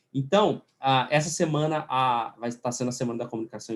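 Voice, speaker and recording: A man speaks at a very fast pace in a somewhat breathy voice, with a quiet background. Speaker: online course instructor for missionaries. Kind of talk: live online class. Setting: live stream. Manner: animated.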